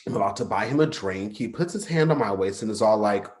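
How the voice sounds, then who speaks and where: A man's voice: fairly low pitch, animated, quick pace, a little mellow, lightly acted. A man playing a flirty, sardonic but insecure gay man in a staged play reading, with a teasing, dramatic delivery. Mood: animated, catty. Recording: roomy sound, faint music behind.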